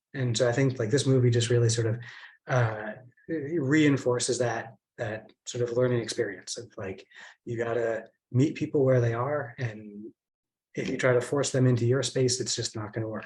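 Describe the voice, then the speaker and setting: Moderate-paced, somewhat breathy speech from a man at medium pitch, with fairly even intonation. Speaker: film club moderator. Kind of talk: online group discussion. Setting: video call.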